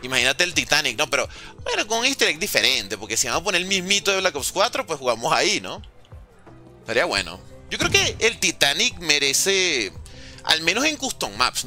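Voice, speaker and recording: A young man with a Venezuelan accent softened by years in Mexico, casually chatting with viewers and answering their comments while he plays. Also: fairly high pitch. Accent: Venezuelan Spanish softened by years in Mexico. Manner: chatty, slangy, answers viewers' chat aloud. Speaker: gaming streamer. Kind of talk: casual live-stream chat while gaming.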